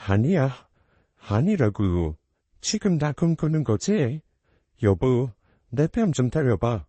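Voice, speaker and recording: A man reads the part of a grieving middle-aged mother in a storybook drama. She pleads and refuses to believe, her mellow voice rising and falling widely. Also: mid-range voice, very animated, slow pace, dry recording. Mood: pleading. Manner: pleading, disbelieving.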